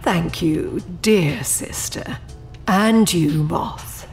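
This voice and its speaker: Casting: composed otherworldly baroness, diplomatic and formal, very unhurried delivery, mid pitch, music underneath. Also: female voice, gravelly, a little mellow, heavily acted. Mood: gracious, composed. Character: poised, diplomatic noblewoman presiding over otherworldly board. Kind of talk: audio drama acting.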